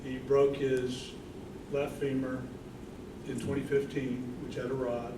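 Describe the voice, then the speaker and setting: A man's voice: medium pitch, little pitch movement, takes it slowly. A middle-aged man giving an informal thank-you speech to an audience as a family spokesperson. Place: indoor room with an audience. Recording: echoey room, distant, clearly noisy.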